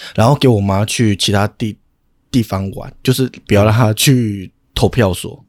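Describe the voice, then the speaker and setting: A man's unremarkable speaking voice, fairly low in pitch, at a fairly slow pace with fairly even intonation, in a dry, close sound with no echo on a very clean recording with a silent background. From Taiwan, Tainan. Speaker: podcast co-host. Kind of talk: casual chat.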